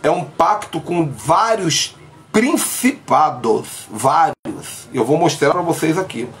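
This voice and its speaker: A man's voice: fairly high pitch, lively intonation, slow pace, fairly bright tone. A man preaching on a live stream from a small bedroom, emphatic and talking straight to his viewers through a phone camera while sick with covid. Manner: emphatic, gestures broadly, speaks to viewers directly. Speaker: pastor. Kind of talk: livestream preaching. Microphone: phone camera at arm's length.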